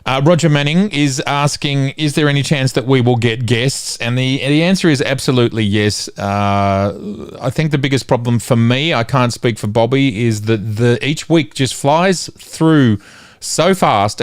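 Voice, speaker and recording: A man hosting a casual live stream, relaxed, reading out viewer questions. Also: mid-range voice, moderate pace, clean tone, no echo, clean studio sound. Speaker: host.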